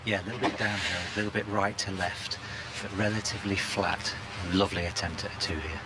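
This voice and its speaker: A man giving analytical golf commentary in a conversational, measured way. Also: sits low, steady tone. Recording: clear outdoor background noise and hum.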